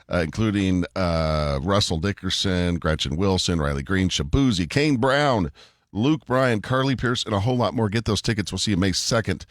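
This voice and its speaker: A man co-hosting a morning radio show, bantering playfully and reading comic verse with theatrical, drawn-out delivery. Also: low-pitched, no echo, studio quality. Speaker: radio co-host. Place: radio studio. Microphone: studio microphone.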